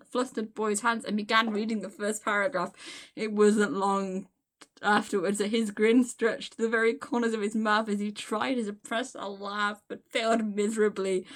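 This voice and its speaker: A woman host casually reading aloud and chatting about it, gushing and giggly, often stumbling over her words. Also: fairly high pitch. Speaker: host of a fan fiction reading series. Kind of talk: casual rambling chat and read-aloud with reactions.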